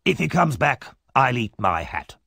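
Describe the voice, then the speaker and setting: A man voicing a fierce, argumentative old gentleman who scoffs gruffly. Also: mid-range voice, very animated, measured pace, no room sound, studio quality, pitched above the performer's own voice, full character voice. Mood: scoffing.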